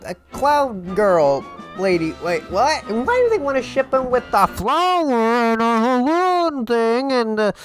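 A young man talks to camera as a comedic YouTube host. His pitch jumps around a lot, with exaggerated, mock-dramatic asides. Soft music plays faintly behind him. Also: animated, a little slow. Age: young adult. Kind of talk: comedic scripted commentary to camera. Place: indoor room with bare wall.

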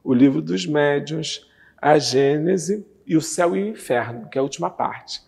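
Gravelly-voiced man explaining in a studio. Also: a little high, normal speed, long reverb tail. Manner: animated, gestures with both hands while talking. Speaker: guest explaining Spiritism. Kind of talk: explanatory interview talk. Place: TV studio with red curtain backdrop. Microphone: lapel mic.

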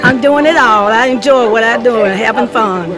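Bubbly lady in her 60s, high voice, loud music behind. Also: moderate pace. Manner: bubbly, upbeat. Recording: loud music and crowd outdoors.

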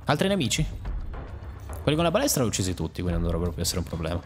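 A young man giving let's play commentary over a game, excitable, swearing at and mocking enemies, his voice jumping into sudden high yelps. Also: racing, soft background music. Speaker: gaming YouTuber.

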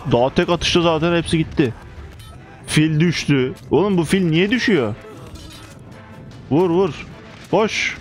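Young male gamer, slightly high voice, excitable running commentary, faint music underneath. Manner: excitable, chanting urgent commands at units. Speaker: gaming YouTuber. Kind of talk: casual gameplay commentary.

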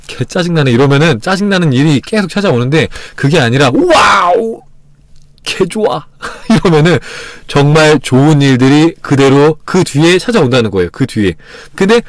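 A man hosting a self-help livestream, chatting casually and acting out little scenes with sudden loud exclamations. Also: on the high side, no echo, clean studio sound. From Korea.

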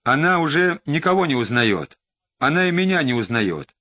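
Brief: fretful, sniveling male suspect, read by a male narrator, lively pitch. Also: moderate pace, highs cut off, full character voice. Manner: sniveling and agitated. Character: whining, tearful, panicky middle-aged male suspect.

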